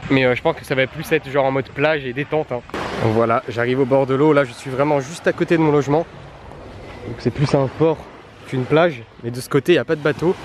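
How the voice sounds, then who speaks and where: A man's voice: mid-range voice, noisy background. A young man chatting casually and informally to a travel vlog audience in offhand, slangy speech. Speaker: travel vlogger.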